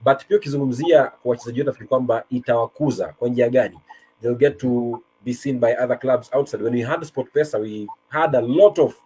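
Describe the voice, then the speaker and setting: A man's voice: medium pitch, quick pace, darkish tone, husky, faint music behind, poor audio. A man with a Kenyan accent hosting a football talk show in a conversational style, switching between two languages. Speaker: sports show host. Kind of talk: conversational football talk show presenting, mixing Swahili and English.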